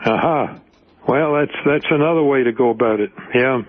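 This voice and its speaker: A man's voice: mid-range voice, moderate pace. Polite, rambling man on muffled phone. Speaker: phone guest, haunted house expert. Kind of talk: phone interview.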